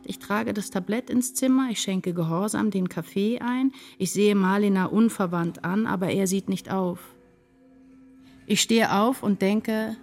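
An actress playing an anguished woman writer narrating her despair in a deliberate, intense literary radio drama monologue. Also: lowish voice, darkish tone. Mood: tense, resigned. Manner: deliberate, intense, incantatory short phrases.

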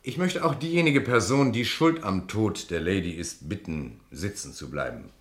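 A man playing an authoritative, controlled police commissioner in a German radio crime play, speaking deliberately as he explains and questions. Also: fairly low pitch, expressive, lightly acted. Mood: commanding, measured. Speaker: police detective.

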